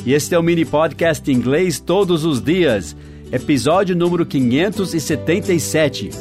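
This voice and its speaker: A man's voice: fairly high pitch, expressive, darkish tone, soft background music. Chatty man teaching in a podcast. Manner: chatty, repeats and slowly spells out example phrases. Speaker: English teacher and podcast host. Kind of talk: casual podcast lesson.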